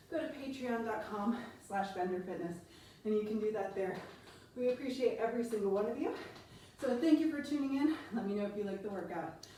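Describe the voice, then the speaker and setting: A woman's voice: a little high, dark tone. A woman in her thirties, a fitness instructor coaching a workout while exercising, out of breath and encouraging. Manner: encouraging, breathy, laughing between cues. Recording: roomy echo, distant from mic, faint noise.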